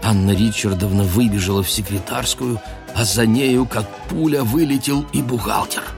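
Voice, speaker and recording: A man narrating a literary audio drama in a measured storytelling manner. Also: fairly low pitch, creaky, over music.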